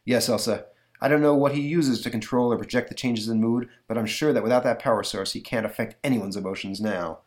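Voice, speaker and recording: A man's voice: medium pitch, fairly quick, lightly acted. Man as comic-book superhero, confident, resolute, earnest, declamatory.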